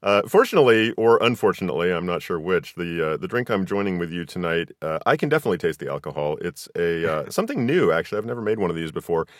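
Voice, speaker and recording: A man's voice: low-pitched, very animated, quick pace, few pauses, no room sound, clean studio sound. A middle-aged American man hosting a casual conversational interview. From Southern California, US. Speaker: podcast host.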